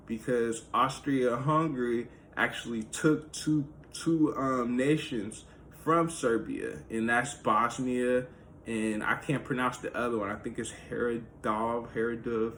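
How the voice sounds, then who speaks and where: A man of middle pitch talks history off the cuff in an easy, rambling way. He leans hard on "like" and "you know" and keeps going with loose restarts. A faint hiss of noise sits under the voice. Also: a bit bright, low-quality recording. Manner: loose, filler-heavy, with many "like" and "you know". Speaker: history video host. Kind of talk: casual explainer monologue.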